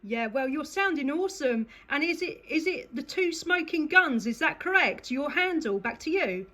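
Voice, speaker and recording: High-voiced woman on CB radio. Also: expressive, normal speed, pushed and bright. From England. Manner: enthusiastic. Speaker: CB radio operator. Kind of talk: casual CB radio chat.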